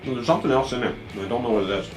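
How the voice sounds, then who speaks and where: A man chatting casually off to the side while tasting snacks, answering in short, dry, low-key remarks. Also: racing, music in the background. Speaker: vlogger's husband. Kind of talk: casual chat while taste-testing.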